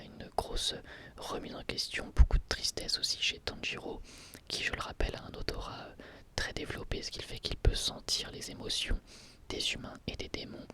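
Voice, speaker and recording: A man whispering an ASMR review of an anime episode as the channel host, speaking hesitantly with frequent filler sounds and restarts. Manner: soft whisper throughout.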